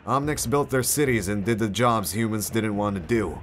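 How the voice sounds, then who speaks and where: Man acting a low-voiced, cynical black-ops commander. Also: lively intonation, moderate pace, fairly bright tone, a little hiss or hum. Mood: cynical, dry. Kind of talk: dramatic comic dub acting.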